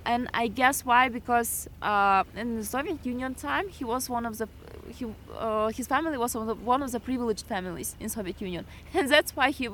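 A woman's voice: on the high side, fairly quick, few pauses, a bit bright, a little hiss or hum. A woman in her twenties from Kyrgyzstan, answering interview questions hesitantly, often laughing and correcting herself. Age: 20s.

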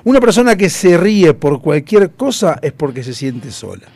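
A man with a Rioplatense accent hosting a casual chat, reading trivia facts in an animated way with quick asides. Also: fairly high pitch. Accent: Rioplatense Spanish.

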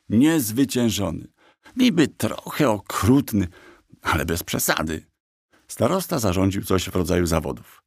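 A man's voice: low-pitched, breathy edge, no echo, studio quality, exaggerated voice. A man voicing a cheeky little black horse. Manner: sly, mocking storyteller. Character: small black talking horse, cheeky and boastful. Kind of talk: audiobook character voice.

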